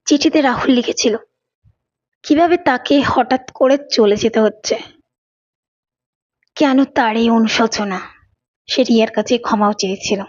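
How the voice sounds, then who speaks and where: A woman narrates a dramatic audio story from a script. Her voice sits on the high side, and the recording sounds a little muffled and lo-fi. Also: unhurried, pauses often, a little mellow. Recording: dull lo-fi recording.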